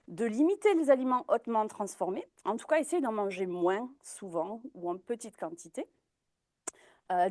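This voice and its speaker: A woman's voice: mid-range voice, darkish tone, no room sound. A young woman giving a presentation as a dietitian, hesitant, with many fillers and restarts. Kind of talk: informal talk presentation.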